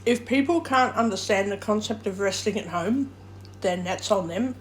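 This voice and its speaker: A woman's voice: medium pitch, moderate pace, slight background noise. A woman chats casually and bluntly while eating, talking with her mouth full of snack food. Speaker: vlogger.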